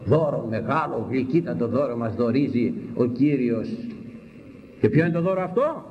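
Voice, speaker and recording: Impassioned older preacher, far off. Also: male voice, medium pitch, lively intonation, a little hiss or hum. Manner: impassioned, rising to loud rhetorical cries. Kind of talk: sermon. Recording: muffled distant recording with faint ambience.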